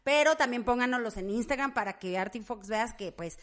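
A woman podcast co-host with a Mexican accent, chatting casually and reading listener shout-outs with slangy jokes. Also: a little high, normal speed. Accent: Mexican Spanish. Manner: joking, slangy, reads messages aloud.

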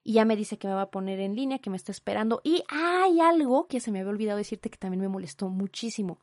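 A woman's voice: medium pitch, quick pace, dry recording, studio quality. Indignant Mexican woman telling a story. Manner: indignant, animated retelling with asides. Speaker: vlogger. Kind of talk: storytime vlog.

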